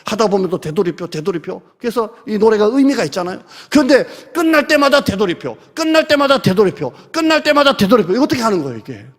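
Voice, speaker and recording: A middle-aged Korean pastor with a high voice gives a chatty Sunday sermon, now and then sinking into a hushed near-whisper. His words ring out with a long reverb in a church sanctuary. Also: sing-song, quick pace, hardly any pauses. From South Korea. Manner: conversational preaching, drops to soft near-whispers.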